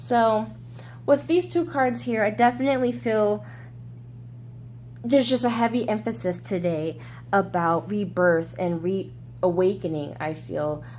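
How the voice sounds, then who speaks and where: A woman's fairly slow speech with long, frequent pauses, over music in the background. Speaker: tarot reader. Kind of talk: tarot reading video. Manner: hesitant with fillers.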